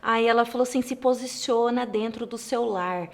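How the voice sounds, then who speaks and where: Earnest Brazilian woman with a fairly high voice. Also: moderate pace, vocal fry. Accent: Brazilian Portuguese. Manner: earnest confessional telling, quoting her own thoughts. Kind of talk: casual faith testimony conversation.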